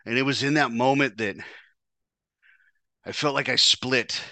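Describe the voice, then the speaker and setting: A man's voice: medium pitch, fairly even intonation, pushed and bright, no room sound. Raw, swearing man telling his story. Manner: raw, profane, halting with many restarts. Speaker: podcast host. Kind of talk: personal storytelling.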